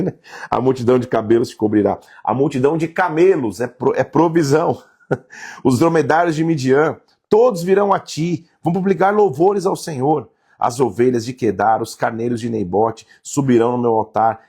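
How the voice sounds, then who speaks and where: A man's voice: mid-range voice, vocal fry, darkish tone, slightly rough. A man reading Bible passages aloud and explaining them in a casual, conversational way. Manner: reads verses aloud, then comments in a casual tone. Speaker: Bible teacher.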